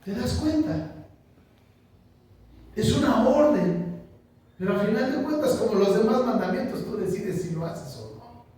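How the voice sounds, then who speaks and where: Chatty pastor in echoey church. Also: male voice, high voice, animated, measured pace, pauses often, darkish tone. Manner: chatty, asks the congregation questions, jokes. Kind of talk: conversational sermon. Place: small church. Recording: echoey church room, distant mic, faint noise.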